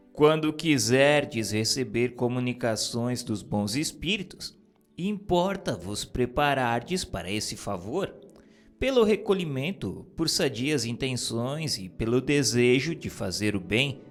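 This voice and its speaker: In a mid-range voice, a male narrator gives a solemn, scripted spiritual reading. His delivery is unhurried but his intonation stays lively, with music playing in the background.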